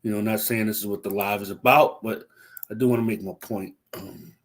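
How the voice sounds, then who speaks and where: A man's voice: lowish voice, brisk. A young man hosts a laid-back livestream, his voice stuffy and congested from a cold. He talks in a loose, rambling way, looping back on himself with ums and restarts. It sounds like a computer or phone mic. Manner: rambling, relaxed, frequent fillers and restarts. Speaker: livestream host. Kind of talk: casual livestream chat.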